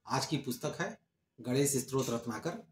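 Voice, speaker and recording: A man's voice: mid-range voice, normal speed, slight background noise. A man hosting his own channel, explaining a devotional book in a casual, conversational way and reading passages aloud. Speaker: channel host reviewing books. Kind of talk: casual book review talk.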